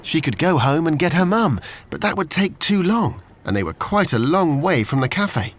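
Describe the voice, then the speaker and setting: A man's voice: on the high side, very animated, normal speed, a little hiss or hum. A man with a British accent reading a scripted children's story, expressively, as a storyteller to young children.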